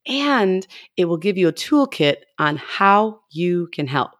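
Low-voiced, enthusiastic woman podcast host. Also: big pitch swings, a little slow, fairly bright tone. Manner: enthusiastic, gushing, with restarts. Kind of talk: casual podcast interview.

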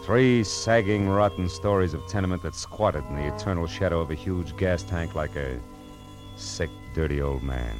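Casting: man to play tough, sardonic gumshoe narrator, low register, vintage radio noir with music behind. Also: normal speed, natural voice. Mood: wry narration. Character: hard-boiled, wry male private eye. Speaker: narrator and lead. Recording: old radio recording with music.

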